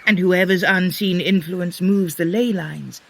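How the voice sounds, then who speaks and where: A woman playing a wise, grave, gracious goddess in a scripted audio drama, speaking in measured, solemn formal language. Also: on the low side, creaky, fairly bright tone, full character voice.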